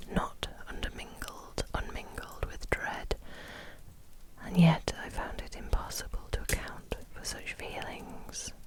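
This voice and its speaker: A woman whispering in a British accent at a fairly slow pace, over noticeable background noise. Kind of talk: ASMR bedtime story reading. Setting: next to a crackling fire. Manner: whispered.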